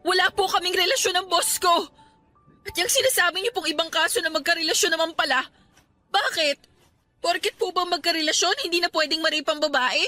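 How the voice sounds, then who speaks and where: A woman's voice: very high-pitched, a little fast, sharp tone, soft background music. An actress playing a wronged young female employee in a radio drama, indignant and assertive while still polite. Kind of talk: Tagalog radio drama acting.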